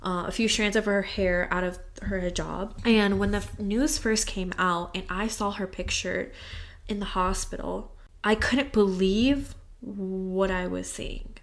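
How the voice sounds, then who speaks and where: A woman's voice: mid-range voice, fairly even intonation, measured pace. A young woman who grew up in the United States, speaking as a podcast guest in a heartfelt, impassioned way. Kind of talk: personal interview answers.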